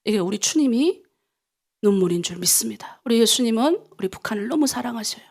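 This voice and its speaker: A middle-aged woman pastor from North Korea preaching an early-morning prayer sermon, pleading and fervent, dropping to hushed whispers and rising to raised cries. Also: on the high side, expressive, brisk, breathy edge.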